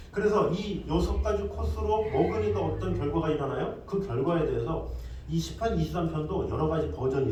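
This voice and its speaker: A middle-aged man preaching a sermon as pastor in a conversational way, with lively asides to the congregation. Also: mid-range voice. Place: church sanctuary. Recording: echoey hall, distant mic, faint noise.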